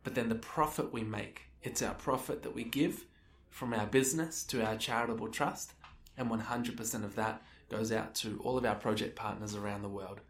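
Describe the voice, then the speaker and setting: A thirty-year-old man from Melbourne, Australia, appears as an interview guest and co-founder of a social enterprise, answering casually and conversationally with plenty of "like" and "you know." His voice is fairly low with fairly even intonation at a moderate pace. He sounds distant from the mic in an echoey room.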